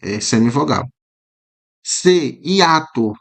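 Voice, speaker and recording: A Brazilian man with a Brazilian Portuguese accent, a teacher going through exam questions, often checking in with "né?" and repeating words slowly to show how they sound. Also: mid-range voice, lively intonation, vocal fry. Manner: explanatory, frequent "né?" tags, repeats words slowly to model pronunciation. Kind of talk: commented exam walkthrough.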